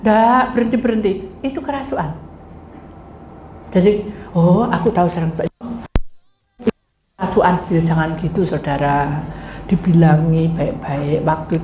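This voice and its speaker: A woman's voice: fairly low pitch, darkish tone. A middle-aged woman pastor preaching a sermon, telling stories and acting out voices as she addresses her congregation. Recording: echoey room, faint ambient noise.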